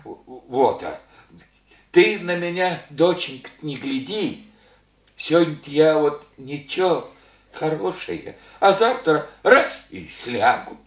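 A man's voice: on the high side, animated, slow pace. An actor playing a meek old village grandfather in a radio play, speaking in folksy rustic speech with a hesitant drawl. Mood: pleading. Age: older. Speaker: old father visiting his daughter. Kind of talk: Soviet radio play acting. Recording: roomy old radio studio recording.

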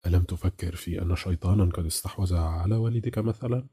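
A man voicing an eager, showy male radio host in an audiobook, with an announcer-like, enthusiastic manner and a low, husky voice. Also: quick pace, dark tone, no echo, clean studio sound, full character voice.

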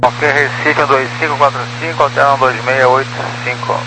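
A man's voice: mid-range voice, level tone, fairly quick. A Brazilian man, an airline pilot, giving clipped readbacks over crackly aviation radio. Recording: noisy crackly cockpit radio.

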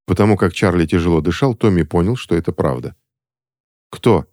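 A man narrating a fantasy audiobook in an animated storytelling manner, voicing each character himself. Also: sits low, fast.

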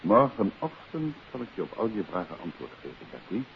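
A confident gentleman detective in a 1950s radio play. His mid-pitched voice moves with very lively intonation, on a dull old recording with clear hiss. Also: fairly quick, full character voice. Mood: reassuring, firm. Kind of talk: 1950s radio drama acting.

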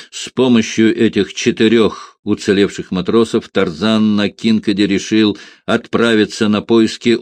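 A man narrating an adventure novel as an audiobook, dramatic and dropping to a hush at tense moments. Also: low-pitched, dry recording.

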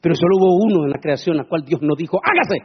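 A man preaching a sermon, dramatic and swinging into shouted proclamations. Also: on the high side, fast, slightly rough, lo-fi sound.

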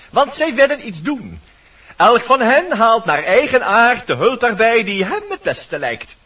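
A man playing a wry storyteller in a fairy-tale radio play, confiding and theatrical, with dramatic pauses. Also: high voice, pushed and bright, full character voice. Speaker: narrator. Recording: dull old radio recording, distant.

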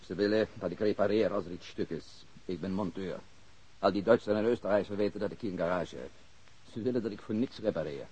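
An actor playing a guarded but cooperative Swiss-German immigrant car mechanic in a radio crime drama, speaking in short, simple sentences. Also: male voice, low-pitched, fast, a little mellow, husky, rough recording.

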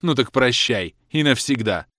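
A man's voice: mid-range voice, expressive, moderate pace, a bit bright, no echo, studio quality. A man voicing a jealous, furious young man who hurls accusations at his lover in a raised, scornful voice. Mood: cold scornful. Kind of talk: audiobook character reading.

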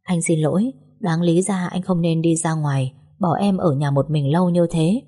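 Woman doing a soft-spoken young husband, low husky voice, storybook. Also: steady tone, moderate pace. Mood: tender. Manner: soft, reassuring, hesitant. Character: young husband, caring and troubled.

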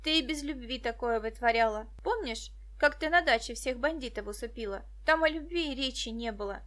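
A woman voicing a sharp-tongued, practical teenage girl in an audiobook, speaking in a brisk, teasing way. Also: on the high side, natural voice.

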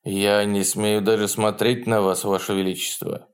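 A man's voice: on the low side, little pitch movement, normal speed, lightly acted. A male narrator voicing a young Soviet lieutenant who speaks earnestly and deferentially, in a near-natural voice, in an audiobook. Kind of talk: audiobook character voice.

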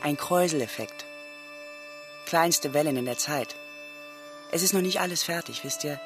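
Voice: mid-range voice, normal speed, over music, close to an everyday voice. A man playing a mysterious, aloof white swan hybrid who speaks in cryptic pronouncements in a radio drama. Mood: knowing.

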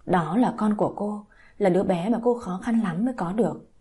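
A woman narrating a dramatic audio story in an emotive, scripted way. Her voice is strongly husky and breathy, with a dark, mellow tone at a middle pitch. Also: brisk.

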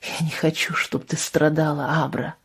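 A woman reading an audiobook, voicing a calm, patient young man who speaks low, restrained and soft. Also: normal speed, breathy edge.

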